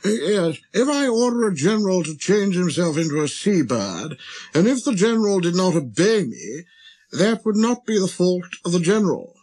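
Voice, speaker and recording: Man doing a pompous, high-pitched storybook king. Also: big pitch swings, normal speed, a little mellow. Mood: flustered, reasoning. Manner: pompous, spluttering, hemming and hawing. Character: pompous, good-natured male absolute monarch.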